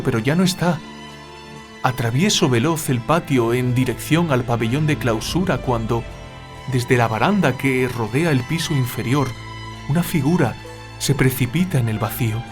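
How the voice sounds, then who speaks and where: A man playing a troubled writer haunted by nightmares, confiding in a measured, literary way, as in an audio drama. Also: mid-range voice, over music, lightly acted. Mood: tense. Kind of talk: audio drama monologue, narrating a dream.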